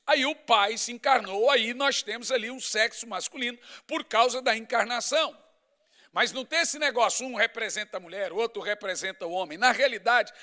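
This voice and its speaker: A middle-aged pastor delivers a sermon in an easy, conversational style, pressing his points through repetition. His voice sits high for a man and sounds bright and tense. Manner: conversational, emphatic preaching with lists and asides.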